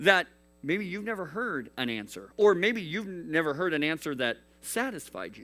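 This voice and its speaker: Music plays in the background as a man speaks at a high pitch and a moderate pace. His pitch swings very widely, and his loudness swings a lot. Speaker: youth pastor. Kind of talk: sermon.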